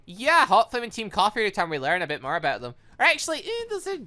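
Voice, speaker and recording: A gaming YouTuber giving excitable, rambling, giggly commentary on a visual novel, with game music behind. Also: medium pitch, quick pace. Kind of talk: gameplay commentary, reading visual novel dialogue aloud.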